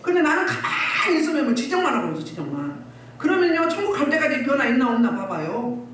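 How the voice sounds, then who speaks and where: A woman's voice: high-pitched, sing-song, fast, fairly bright tone. A woman pastor preaching a sermon, scolding and exhorting with rhetorical questions, recorded from a distance in a church hall. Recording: echoey distant church recording, faint noise.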